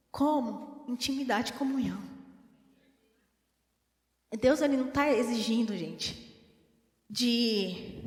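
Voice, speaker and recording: A Brazilian woman preaches with lively energy, her fairly high voice rising and dropping as she plays out little quoted scenes. The sound rings around a large church hall, with a long reverb tail behind every phrase. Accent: Brazilian Portuguese. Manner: animated, acts out quoted voices. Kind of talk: sermon.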